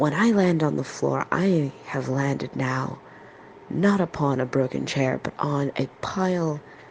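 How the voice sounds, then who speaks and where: Someone with an American accent speaks very slowly in a relaxed tone, with lively intonation. Background noise is noticeable. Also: woman. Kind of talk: ASMR storytelling. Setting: lo-fi recording. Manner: relaxed, soft-spoken.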